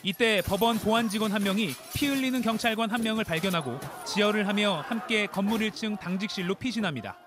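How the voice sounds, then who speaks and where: A man narrating a scripted news report in a steady, formal, descriptive way. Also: sits high, fast talker, few pauses, over music.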